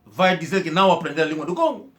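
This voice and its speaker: Emphatic high-voiced man. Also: lively intonation, fast. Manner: emphatic, accusatory, repeats words when stumbling. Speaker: political commentator. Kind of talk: impassioned political monologue.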